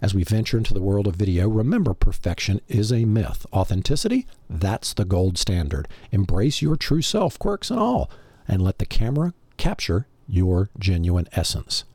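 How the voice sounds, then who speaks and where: A male podcast host gives a scripted motivational talk straight to the listener. His low, mellow voice has a husky edge and moves in lively swings, recorded very dry. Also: normal speed, no room sound. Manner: rhetorical, addressing the listener directly.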